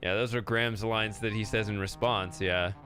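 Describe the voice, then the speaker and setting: A man's voice: lowish voice, fairly even intonation, normal speed, sharp tone, faint music behind. A man giving casual, amused commentary as host of a gameplay video. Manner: amused, giggly.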